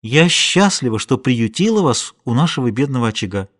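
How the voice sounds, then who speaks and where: A man reading a novel aloud, voicing a kind, motherly woman who gently comforts a stranger. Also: a bass voice, very animated, a little fast, exaggerated voice. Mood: soothing. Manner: gentle, soothing, compassionate.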